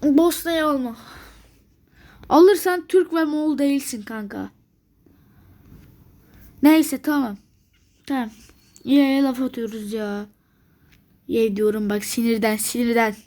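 A woman's voice: high voice, a little slow, pauses often, a little mellow. A woman commenting on a strategy game she is playing, grumbling in exasperation and thinking aloud to herself. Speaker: gameplay video maker.

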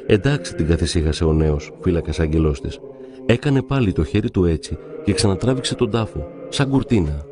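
A man narrating devout stories in a calm, measured reading. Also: sits low, music in the background. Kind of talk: reverent scripted reading of saints' stories.

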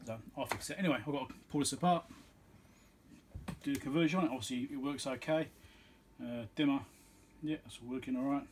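A man's voice: mid-range voice, a little fast, long pauses. Offhand man muttering over noisy background. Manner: muttering, offhand, thinking aloud. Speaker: electronics repair technician and video host. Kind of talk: casual bench commentary while working. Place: small cluttered indoor electronics workbench.

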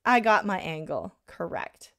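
A woman giving a live drawing lesson, talking casually while she sketches and often checking in with "right?", a little hoarse from being sick. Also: mid-range voice, expressive, unhurried, a bit bright, no room sound, clean studio sound. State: slightly hoarse from illness. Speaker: art instructor.

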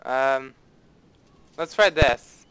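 A man's voice: mid-range voice, very slow, a bit bright, rough recording. A young man casually commenting on his own gameplay, rambling and playfully dramatic, with a desktop mic and faint background noise. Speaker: let's play host.

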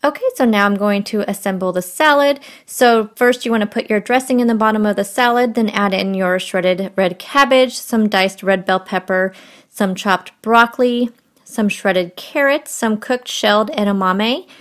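A woman's voice: medium pitch, normal speed, fairly bright tone. Chatty woman narrating kitchen steps. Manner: chatty, step-by-step explaining. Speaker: meal prep vlogger. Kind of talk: casual voice-over narration. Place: home kitchen.

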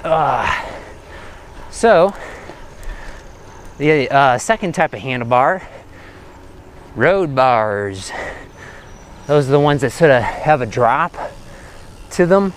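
A man's voice: medium pitch, lively intonation, slow pace, long pauses. A man chatting casually and unscripted as he rides a bicycle, rambling and hesitant as he hosts his vlog. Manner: rambling, hesitant, talking while pedalling. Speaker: cycling vlogger, host. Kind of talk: casual unscripted chat while riding. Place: outdoors on a bicycle on suburban roads. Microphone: body-worn action camera. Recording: outdoor ride with road and traffic noise. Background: faint road and vehicle noise.

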